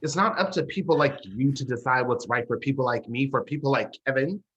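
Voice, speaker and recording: An actor playing a bitter, grieving, sharp-tongued young gay man in a drama, sarcastic and confrontational. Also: mid-range voice, brisk, highs cut off, lightly acted. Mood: accusing. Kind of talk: dramatic dialogue acting.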